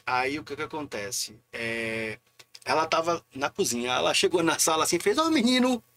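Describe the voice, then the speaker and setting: A man, speaking in a gravelly voice set a little high. He tells lively anecdotes as a guest in a casual live interview and acts out the voices of the people he quotes. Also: normal speed. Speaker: guest poet.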